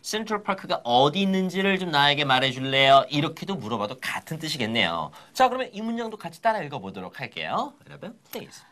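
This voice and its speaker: A man leads an English lesson with a bright, forceful voice that swoops up and down. He coaxes the viewers to repeat every phrase loudly. His delivery is energetic and full of encouragement. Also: fairly high pitch, quick pace, few pauses. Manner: energetic, coaxing, drills phrases aloud. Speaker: English teacher. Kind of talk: upbeat language lesson.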